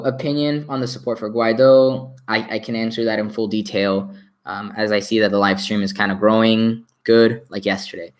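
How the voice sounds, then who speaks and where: A young man from Venezuela, a native Spanish speaker, talking casually on a home livestream with many restarts and fillers. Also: lowish voice. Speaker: live stream host. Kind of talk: casual history livestream talk.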